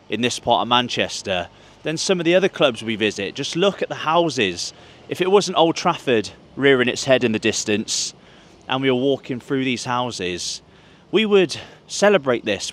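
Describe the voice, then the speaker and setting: A football travel vlogger in his thirties, with a mid-range, fairly bright voice, narrates a walk around a football ground, chatting to his viewers as "guys". He holds a handheld mic with the camera at arm's length on city streets as traffic passes by.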